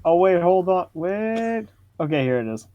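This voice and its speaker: A man's voice: high voice, expressive, normal speed, dull audio, a little hiss or hum. A man reading social media posts for comedy and bantering as co-host, amused and mock-formal.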